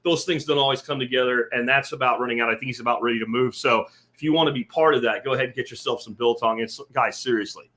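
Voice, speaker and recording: A man's voice: mid-range voice, fairly even intonation, quick pace, sharp tone. A middle-aged man from central Pennsylvania hosting a podcast, talking in a casual, folksy and emphatic way, including sponsor reads. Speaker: podcast host.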